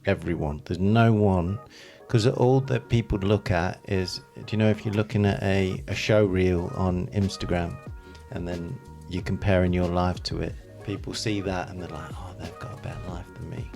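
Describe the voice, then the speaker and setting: A reflective man co-hosting a podcast, with a very low voice full of gravelly fry. He often sinks into a soft, quiet delivery as he talks things through. Faint music plays behind him. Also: fairly even intonation, moderate pace, few pauses. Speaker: podcast co-host. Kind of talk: casual chat.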